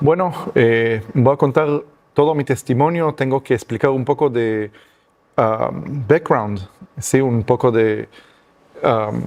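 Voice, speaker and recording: A man with a Hebrew accent speaks at a very slow pace, leaving long, frequent pauses. His pitch is medium, with ordinary pitch variation. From Israel. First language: Hebrew (speaking Spanish). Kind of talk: testimony. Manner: halting, many fillers and self-corrections.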